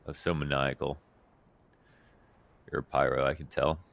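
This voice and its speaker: A man's voice: very deep voice, little pitch movement, moderate pace, vocal fry, noisy background. A man co-casting an esports match as analyst, talking through rounds in a laid-back, conversational way. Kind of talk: casual esports analysis commentary.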